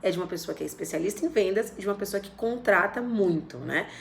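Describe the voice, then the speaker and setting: Noticeable background noise accompanies a woman who talks at a fairly quick pace. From Bahia, Brazil (Salvador). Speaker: sales expert and business owner. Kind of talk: live stream talk. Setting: live stream on social media. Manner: casual, chatty.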